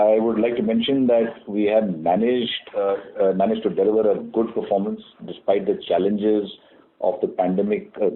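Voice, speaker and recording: Over a narrow, muffled phone line, a man presents company results. He is formal and measured in wording, but halting, often filling gaps with uh as he reports. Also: lowish voice. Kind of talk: prepared business report on a conference call. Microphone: telephone conference call.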